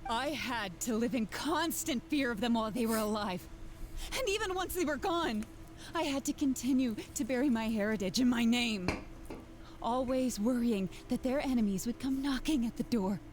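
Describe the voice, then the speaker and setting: A woman's voice: a little high, lively intonation, moderate pace, background noise, lightly acted. An actress voicing a cornered, theatrical young woman villain in a video game, bitter and cackling.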